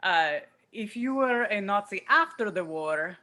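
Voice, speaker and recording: A woman's voice: mid-range voice, expressive, a little slow, pushed and bright. A woman playing a blunt, boastful old soldier vampire, talking conversationally in a comedy table read. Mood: matter-of-fact. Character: blunt, boastful former Nazi vampire being interviewed.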